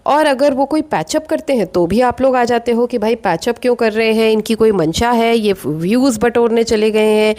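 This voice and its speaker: A woman's voice: a little high, normal speed, few pauses, darkish tone. A woman hosting a commentary vlog, talking in a chatty, opinionated way and asking rhetorical questions. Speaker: vlog host reviewing other vloggers.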